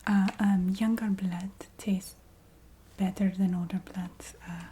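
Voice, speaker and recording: A woman playing a courteous, matter-of-fact vampire receptionist in a soft-spoken ASMR roleplay, half-whispering in a put-on Eastern European accent with halting, formal phrasing. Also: medium pitch, fairly even intonation, slight background noise, close to an everyday voice. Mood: matter-of-fact, approving. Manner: halting, formal phrasing with small hesitant hums.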